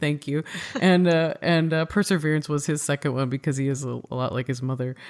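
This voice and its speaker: A woman with a Midwestern accent, a very deep, low pitch, fairly even intonation and a fairly quick pace. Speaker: podcast host, chief safety officer. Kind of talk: podcast interview host. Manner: casual, conversational.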